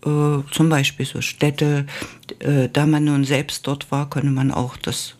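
An older woman from East Germany, a former Russian teacher, recalling her past slowly and with many hesitations in an interview. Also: low-pitched, little pitch movement, darkish tone. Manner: slow and reminiscent, with frequent hesitations. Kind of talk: oral history interview.

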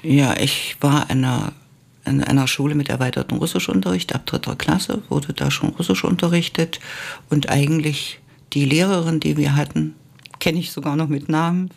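Older woman with a gravelly voice. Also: sits low, fairly even intonation. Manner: slow and reminiscent, with frequent hesitations. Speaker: interviewee, former Russian teacher. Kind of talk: oral history interview.

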